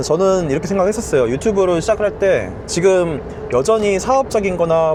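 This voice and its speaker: A man with a high pitch at a fairly quick pace, over noticeable background noise. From South Korea. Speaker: YouTuber and entrepreneur. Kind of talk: vlog monologue. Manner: casual, hesitant.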